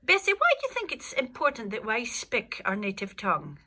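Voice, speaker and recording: A woman's voice: on the high side, huge pitch swings, brisk, bright, forceful tone. A woman from north-east Scotland with a Doric accent, interviewing informally in a chatty, encouraging way, often repeating and affirming. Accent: north-east Scottish Doric.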